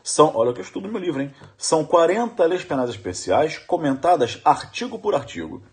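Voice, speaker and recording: A man's voice: fairly high pitch, big pitch swings, fairly quick. A middle-aged man with a Brazilian Portuguese accent, giving an emphatic law lecture for exam preparation and repeating questions to his audience. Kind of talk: animated exam-prep lecture.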